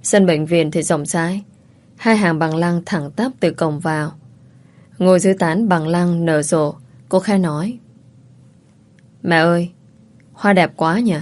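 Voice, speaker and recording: A woman narrating a drama story in a calm, unhurried, reflective way. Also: lowish voice.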